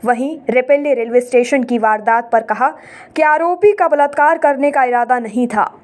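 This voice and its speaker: A woman news anchor reading a scripted bulletin in a brisk, formal manner. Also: on the high side, a little mellow.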